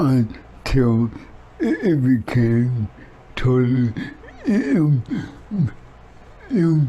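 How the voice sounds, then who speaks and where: A man talks very slowly, leaving long, frequent pauses. His pitch is medium with ordinary variation, and there is noticeable background noise. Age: 70s. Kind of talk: testimony. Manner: halting, with repeated words and restarts.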